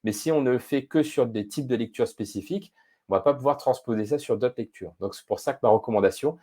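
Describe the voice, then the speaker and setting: A man being interviewed as a guest on a podcast, explaining his expertise in a thoughtful, measured way with frequent hesitations. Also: medium pitch, warm tone.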